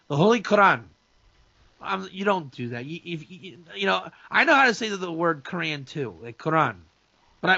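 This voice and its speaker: Man, rabbi, gravelly, bright tone, emphatic chat, lo-fi sound. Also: high voice, dry recording. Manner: emphatic, many restarts and asides. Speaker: rabbi and guest speaker. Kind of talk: casual opinionated talk show chat.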